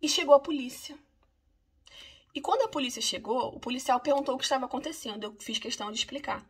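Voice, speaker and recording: A woman's voice: sits high, quick pace, husky. A Brazilian woman lawyer with a Brazilian Portuguese accent, recounting something that happened to her in an indignant, emphatic way. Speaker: immigration lawyer. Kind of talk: casual first-person account.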